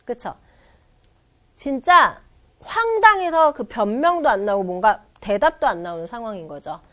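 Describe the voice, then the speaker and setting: A woman's voice: fairly high pitch, lively intonation, normal speed, a bit bright. A woman teaching a recorded exam-prep lecture, explaining with acted-out examples and repetition.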